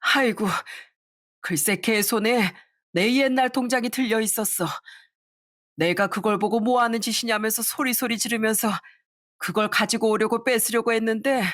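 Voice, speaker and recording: A woman's voice: on the high side, a bit bright, no room sound, clean studio sound, pitched above the performer's own voice, lightly acted. A woman voicing an indignant older mother who scolds and sighs as she speaks. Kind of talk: storytelling voice acting.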